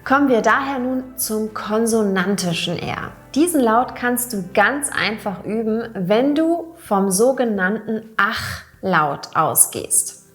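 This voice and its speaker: Slow, careful woman language teacher. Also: medium pitch. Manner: slow, clearly articulated, demonstrates sounds and example words. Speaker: German pronunciation teacher. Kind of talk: scripted teaching narration.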